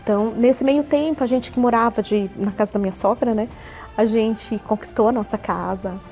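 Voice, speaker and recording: A fairly high-voiced woman with a Brazilian accent tells her testimony in an earnest, repetitive way. Soft music plays faintly underneath her voice. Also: moderate pace. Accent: Brazilian Portuguese. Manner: earnest, repeats herself often. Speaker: church member giving a testimony. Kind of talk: personal testimony.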